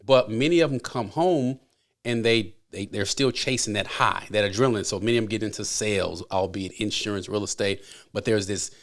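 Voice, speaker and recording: A man's voice: on the low side, brisk. A man hosting a podcast, chatting casually and animatedly, often repeating his phrases. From American South. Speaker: podcast host. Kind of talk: casual interview chat.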